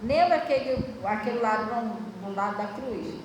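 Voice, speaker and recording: A woman pastor with a Brazilian Portuguese accent preaches in a high voice, in a conversational way that keeps checking whether the congregation understands. She is recorded from a distance in a long, echoing church hall. Room noise is clearly heard. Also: moderate pace. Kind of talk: sermon.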